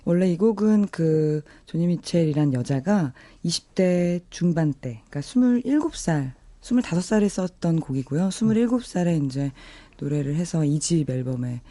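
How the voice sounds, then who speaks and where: Woman, radio guest, very warm dark timbre, dry close studio recording, soft conversational music talk, polite, reflective, appreciative. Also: on the low side, expressive, normal speed, few pauses, no echo. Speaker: radio guest introducing songs. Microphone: close studio microphone.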